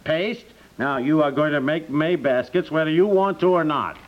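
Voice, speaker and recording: A man playing an excitable, emphatic, blustering husband and father in a 1950s radio comedy. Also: a little high, normal speed, very noisy, close to an everyday voice. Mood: stern, indignant. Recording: muffled 1950s radio recording.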